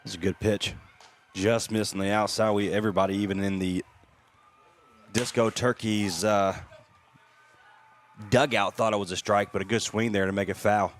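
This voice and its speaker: A man's voice: lowish voice, fairly even intonation. A man giving casual, chatty color commentary on a radio baseball broadcast from a ballpark press box. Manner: casual, chatty, drawn-out fillers.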